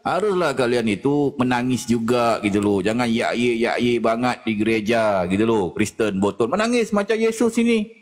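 Taunting man, lively pitch, echoey noisy line. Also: normal speed, few pauses. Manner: laughing, taunting, theatrical. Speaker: debater in an online faith discussion. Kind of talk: mocking live-stream talk. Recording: echoey with loud background noise.

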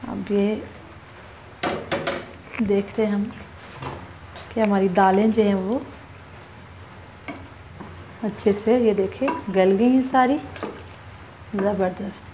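A woman cooking in her home kitchen, calmly explaining each step of a recipe to her viewers as she stirs at the stove. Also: mid-range voice, slow, long pauses, background noise. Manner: calm, instructive, addresses viewers directly. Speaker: cooking vlogger.

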